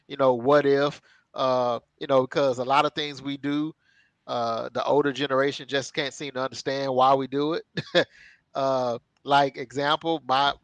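Speaking through a headset on a video call from home, a thirty-something male co-host keeps a casual interview chatty and rambling, full of fillers, laughs and side remarks. He has a mid-range, fairly bright voice. The audio is poor, though there is no echo.

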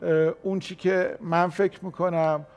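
A man hosting a television book talk show, polite and measured. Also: sits high, level tone, a little mellow, soft background music. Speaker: host.

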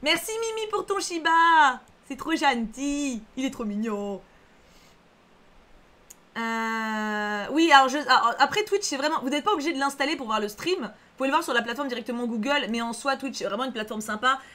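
High bright french-sounding? no, just chatty woman streamer, reassuring, lots of euh. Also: brisk. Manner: chatty, reads chat aloud, frequent fillers; reassuring, repeats herself. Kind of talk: casual live-stream chat.

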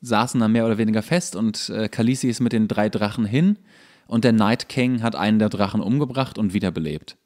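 A man co-hosting a podcast, explaining a TV series in casual chat with halting, searching delivery. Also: on the low side, darkish tone. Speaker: podcast co-host.

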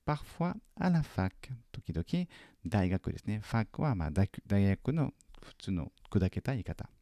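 A man teaching French in a lesson video, patiently correcting a student's homework and repeating French phrases slowly and carefully. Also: sits low, big pitch swings, mellow, dry recording, clean studio sound.

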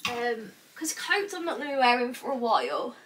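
A young Englishwoman with a British accent chats through a casual vlog, sorting clothes in her small, untidy bedroom wardrobe room and thinking out loud with plenty of "like". Her fairly high voice is sing-song and moderately paced, slightly congested from a cold. The audio is from a camera across the room: a distant mic with faint noise.

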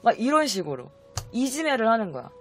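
A woman's voice: fairly high pitch, very animated, fairly quick, loud music behind the voice. A woman telling a strange true story in a chatty, dramatic way, often asking the listener questions. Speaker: storytelling host. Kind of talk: casual storytelling vlog.

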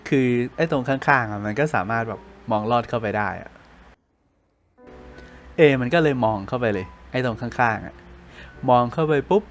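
A man's voice: mid-range voice, animated, normal speed, pauses often, soft background music. A man casually telling a ghost story for a podcast, chatting like a friend with loose slang.

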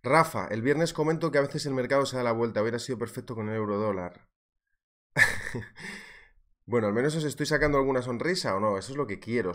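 A man teaching a live trading webinar, joking and chatting as he reads viewer messages. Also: medium pitch. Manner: jokey, chatty, reads viewer chat aloud. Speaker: trading instructor.

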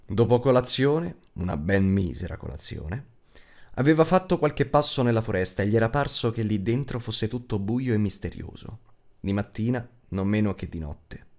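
Lowish-voiced, very expressive male narrator. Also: moderate pace, vocal fry. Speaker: audiobook narrator. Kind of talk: expressive scripted storytelling.

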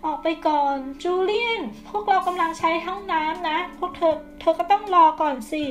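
A woman's voice: very high voice, moderate pace. A woman doing bossy little sisters. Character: bossy young sisters in the bathroom.

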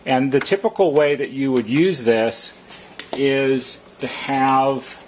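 A man's voice: mid-range voice, slow, a little hiss or hum. A man who works as a service technician, giving an informal, plain-spoken product demonstration and explaining step by step.

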